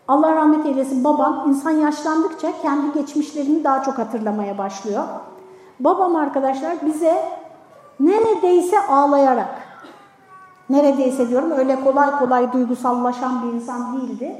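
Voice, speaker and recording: An older woman delivers a sermon talk in a high, ringing voice. She hammers home her points by repeating them and firing off rhetorical questions. The sound carries the echo of a large mosque hall. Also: a little mellow. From Turkey. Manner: emphatic, repeats key words, rhetorical questions. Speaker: retired preacher. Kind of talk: sermon talk to a women's group.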